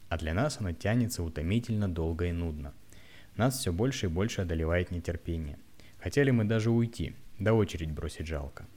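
A man reading a story aloud in a plain, steady way, with occasional stumbles. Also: deep voice. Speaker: narrator.

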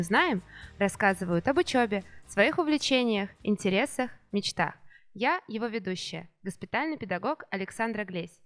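A woman who is a hospital teacher hosting a podcast, patiently prompting children with gentle follow-up questions. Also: mid-range voice. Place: children's rehabilitation centre.

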